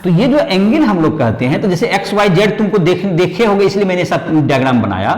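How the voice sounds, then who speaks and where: A man's voice: high-pitched, big pitch swings, a little fast, darkish tone. A man teaching a chemistry lesson, mixing Hindi and English and quizzing students with repeated rhetorical questions. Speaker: chemistry tutor. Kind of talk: classroom lecture. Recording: echoey room with long reverb.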